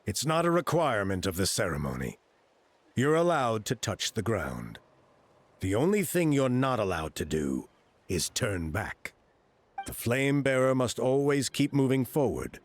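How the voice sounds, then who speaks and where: An actor playing a patient, earnest tribal man in a video game, explaining a sacred ceremony in a measured, reassuring way. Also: mid-range voice, big pitch swings. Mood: instructive. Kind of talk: video game character acting.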